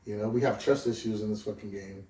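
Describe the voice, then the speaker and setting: A man's voice: lowish voice, fairly even intonation, fast talker, dark tone, reverberant, recorded from a distance, low-quality recording. A man in his thirties from Southern California, a guest musician chatting casually, rambling and swearing freely with lots of "you know what I mean". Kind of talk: casual interview chat.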